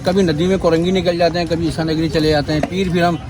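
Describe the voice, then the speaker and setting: A man's voice: a little high, little pitch movement, fast. A man with a Pakistani Urdu accent, a clothes seller giving short, plain, casual answers. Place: outdoor street bazaar stall. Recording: busy outdoor crowd noise.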